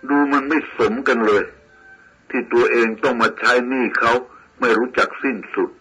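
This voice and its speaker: Husky, tense male storyteller. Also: medium pitch, steady tone, sharp tone, poor audio. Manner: measured, moralizing first-person telling. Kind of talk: scripted storybook narration.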